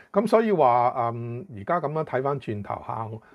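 Over a quiet background, a man speaks at medium pitch and a moderate pace in a Hong Kong accent, his pitch swinging very widely. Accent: Hong Kong Cantonese. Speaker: news commentator. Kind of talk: news commentary monologue; news commentary. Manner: halting, many fillers.

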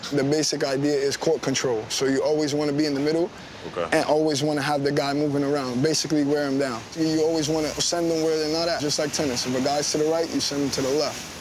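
Against noticeable background noise, a man talks at a very fast pace, monotone and flat, with very even loudness. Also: hardly any pauses, dry sound with no echo. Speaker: handball coach. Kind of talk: coaching instruction. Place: street. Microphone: lapel.

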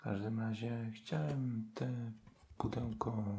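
A soft-spoken man at a very slow pace, calm tone, ordinary pitch variation and light background noise. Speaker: ASMR creator. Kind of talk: ASMR roleplay / relaxation narration. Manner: calm, soft-spoken.

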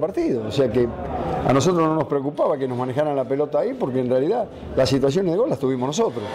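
Noticeable noise sits behind a man's speech. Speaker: football coach. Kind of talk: interview answer. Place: stadium. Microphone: handheld.

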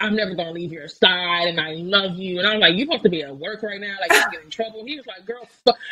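A woman talks at a very fast pace with hardly any pauses, an animated tone, ordinary pitch variation and big swings in loudness, in a dry sound with no echo over light background noise. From Nigeria, Benin City; moved to the US as a child; Nigeria. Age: 20s. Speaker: life coach, military veteran; podcast guest. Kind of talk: casual interview chat. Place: home room. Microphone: video call.

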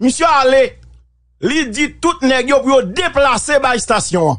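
A man talks at an extremely high pitch and a moderate pace. His intonation is lively. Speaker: former senator. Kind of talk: radio interview.

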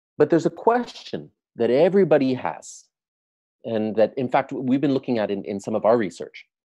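Over a quiet background, a man with a medium pitch speaks at a moderate pace with lively intonation. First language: English (speaking Indonesian). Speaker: conservation scientist. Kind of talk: lecture. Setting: video call. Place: home room. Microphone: video call.

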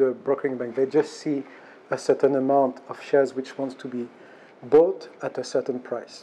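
Here is a man with a normal speaking voice. His pitch is fairly high and his pace moderate. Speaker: tech innovation unit head presenting blockchain project. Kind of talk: meetup presentation with Q&A. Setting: stage with audience. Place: meeting room. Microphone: lapel.

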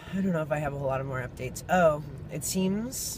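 A man at a fairly quick pace, ordinary pitch variation, dry sound with no echo, and noticeable background noise. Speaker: vlogger. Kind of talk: casual video diary update. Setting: in a car. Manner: casual, hesitant with fillers. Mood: relaxed, upbeat. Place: car. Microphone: phone near.

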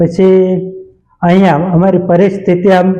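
A dark, mellow tone in the high-pitched voice of a man. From Gujarat, Saurashtra (Botad/Bhavnagar area). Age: 50s. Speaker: primary school teacher. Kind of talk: interview.

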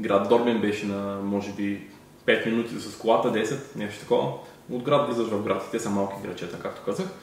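With audible room echo and light background noise, a man with a fairly low voice talks at a moderate pace in a fairly even intonation. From Bulgaria, Ruse; Bulgaria. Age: 20s. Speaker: bodybuilder. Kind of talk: vlog monologue; casual vlog chat. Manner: halting. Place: kitchen.

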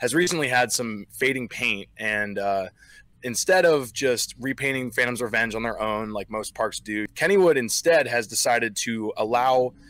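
In a dry recording with no echo, a man speaks at a moderate pace in a bright, sharp tone with ordinary pitch variation. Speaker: show host. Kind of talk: news commentary. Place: home room.

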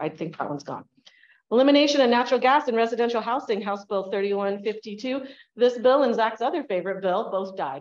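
Against a quiet background, a woman speaks at a fairly quick pace with lively intonation. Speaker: lobbyist. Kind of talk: legislative update presentation. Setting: meeting room with live audience, microphone. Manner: fast talker. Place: meeting room. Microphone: camera far.

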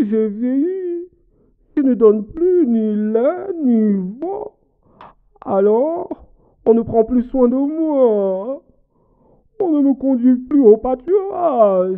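In a put-on character voice with a fairly high pitch, the speaker goes very slowly, leaving long, frequent pauses. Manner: bitter, sorrowful.

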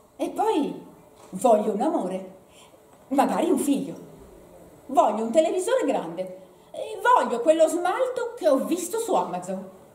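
Over audible room echo, a woman with a high pitch talks at a fairly slow pace, her pitch swinging very widely, with long, frequent pauses. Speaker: stage actress. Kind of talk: theatrical monologue. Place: stage. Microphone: camera far.

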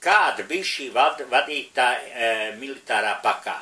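Bright and sharp in tone, a man speaks at a fairly high pitch with very wide pitch swings. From Latvia, Riga; Latvia. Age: 70s. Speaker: local historian. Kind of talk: reading aloud. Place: home room.

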